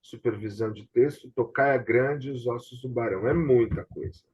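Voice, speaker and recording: Man, Brazilian accent, husky voice, medium pitch, conversational host, dull lo-fi call recording. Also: normal speed, a little mellow. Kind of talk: conversational, reading out lists. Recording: dull, lo-fi online call audio.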